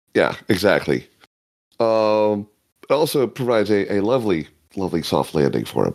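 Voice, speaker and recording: A man talks with a fairly low pitch and lively intonation. He leaves long, frequent pauses. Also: moderate pace. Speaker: tabletop RPG player. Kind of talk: casual tabletop RPG actual play, in-character play-by-play. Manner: halting, with many filler words.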